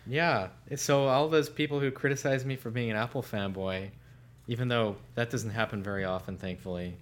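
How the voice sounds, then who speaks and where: A man co-hosting a casual tech podcast as a smartphone editor, relaxed and trailing off quietly at the ends of phrases. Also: mid-range voice, moderate pace. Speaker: senior smartphone editor, co-host.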